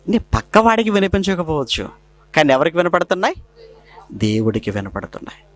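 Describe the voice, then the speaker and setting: A man preaching a sermon, asking rhetorical questions and answering them himself, quoting scripture slowly and drawn out. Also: sits high, a bit bright.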